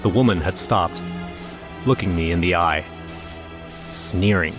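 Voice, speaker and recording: A man's voice: low-pitched, measured pace. A man playing a grim, shaken eyewitness, narrating a scripted first-person horror audio drama. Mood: dread. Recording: music under the voice.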